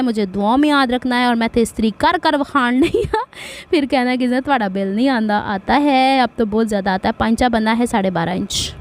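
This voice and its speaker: A middle-aged woman from Pakistan with a Punjabi accent, giving a chatty sewing tutorial and wandering into asides and blessings. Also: a little high. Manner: speaks slowly on purpose. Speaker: sewing vlogger.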